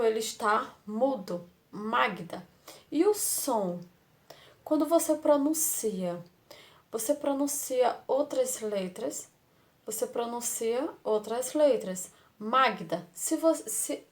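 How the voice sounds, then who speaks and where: A Brazilian woman teaching a lesson to young children, affectionate and patient, repeating words and asking rhetorical questions. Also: fairly high pitch. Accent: Brazilian Portuguese.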